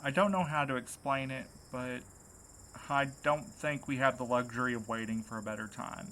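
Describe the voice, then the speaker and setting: A man's voice: medium pitch, fairly even intonation, moderate pace, sharp tone, a little hiss or hum, natural voice, poor audio. A man acting in an audio drama as an earnest, anxious man set on a rescue, speaking with urgency. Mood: earnest, uncertain. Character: determined, anxious young man set on rescuing his friend.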